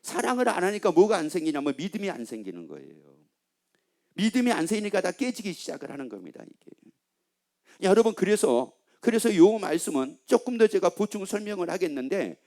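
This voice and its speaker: Lively, high-voiced male preacher. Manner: asks the congregation questions and repeats answers back; teasing, playful asides. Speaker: pastor. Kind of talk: sermon.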